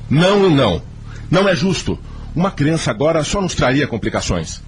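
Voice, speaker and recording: A male actor plays a hot-tempered, stubborn father in a radio soap. The voice is a little high for a man and swings with emphatic indignation. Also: big pitch swings, brisk, a little hiss or hum. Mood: vehement. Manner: vehement, emphatic. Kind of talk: radio soap opera acting.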